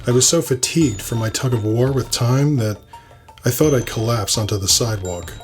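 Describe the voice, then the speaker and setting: A man's voice: medium pitch, moderate pace, soft background music. A man reading scripted first-person fiction as the narrator of an audio story.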